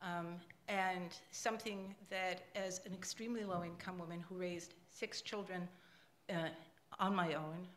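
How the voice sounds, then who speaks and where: A woman's voice: on the low side, fairly even intonation, a little slow, slight background noise. Older woman speaking out, echoey hall. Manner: emphatic, grows louder and forceful. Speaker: audience member at panel. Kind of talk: impassioned public comment. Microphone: handheld microphone passed in audience. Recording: echoey room.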